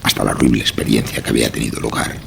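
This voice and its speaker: A man narrating a scripted horror story in a measured, suspenseful, dramatic way. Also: very deep voice, level tone, vocal fry, slight background noise.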